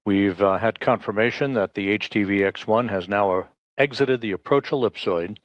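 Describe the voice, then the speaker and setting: A man with a lowish voice delivers live spaceflight commentary as a mission control announcer. He speaks in a measured, official way, with a dry, slightly dull sound. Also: no room sound.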